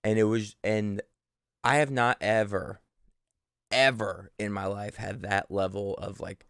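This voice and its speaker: Deep gravelly young man rambling casually. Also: steady tone, a little slow, a bit bright, dry recording, studio quality. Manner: rambling, self-correcting storyteller. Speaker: podcast co-host. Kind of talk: casual podcast chat. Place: living room at home.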